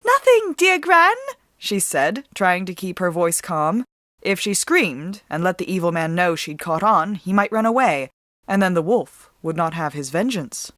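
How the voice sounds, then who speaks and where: A woman narrating a story as a dramatic reading, with deliberate, expressive storytelling. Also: lowish voice, no echo, clean studio sound. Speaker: author and storyteller.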